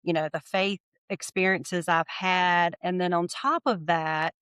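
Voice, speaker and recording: A middle-aged woman answering interview questions in a thoughtful, warm way, often checking in with "right?". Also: fairly low pitch, steady tone, a little slow, clean tone, dry recording, clean studio sound. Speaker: podcast guest.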